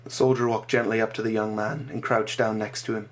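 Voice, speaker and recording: A man reading his own dramatic short story aloud, measured and slowing for grim moments. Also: lowish voice, little pitch movement.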